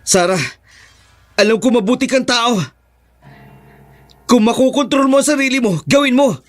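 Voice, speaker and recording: A man's voice: very high-pitched, moderate pace, soft background music, voice pushed up. A man with a Filipino accent voicing a brave young male student who confronts aswang in a horror story. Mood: pleading. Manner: tense, urgent, shouting.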